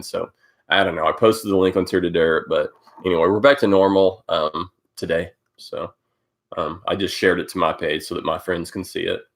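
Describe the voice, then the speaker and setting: A man with a very low voice, stuffed up from a cold, hosts a casual live stream into a close webcam at home. He rambles loosely, greeting viewers one by one with plenty of "um"s and "uh"s. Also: fairly bright tone. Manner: rambling, greeting viewers by name, many fillers. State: congested from a cold. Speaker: host of a live cycling update stream.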